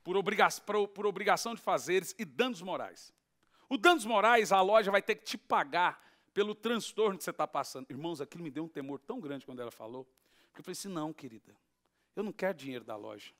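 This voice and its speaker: A Brazilian man, a pastor, preaching an expository sermon with animated emphasis, rising to shouts and asking the congregation questions. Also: sits high, fast talker.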